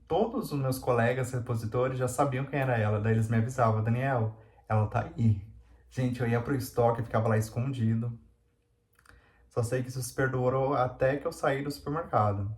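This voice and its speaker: A man's voice: medium pitch, darkish tone. A man telling a personal story to camera in a candid, confessional way, with lots of fillers. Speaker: vlogger. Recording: roomy echo.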